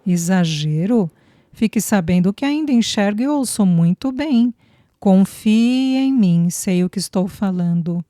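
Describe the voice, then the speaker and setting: A woman's voice: lowish voice, normal speed, few pauses, mellow, no room sound, studio quality, lightly acted. A woman narrator voicing an outspoken woman friend who speaks emphatically and teasingly.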